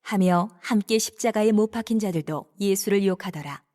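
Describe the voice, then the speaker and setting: A woman narrating scripture from a script in a measured, clearly enunciated reading style. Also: medium pitch, a little mellow.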